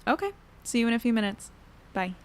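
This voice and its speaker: A woman's voice: a little high, big pitch swings, brisk, darkish tone, a little hiss or hum. A woman playing a friendly, self-doubting small-town newspaper editor in an audio drama, with a casual, hesitant delivery. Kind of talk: naturalistic audio drama acting.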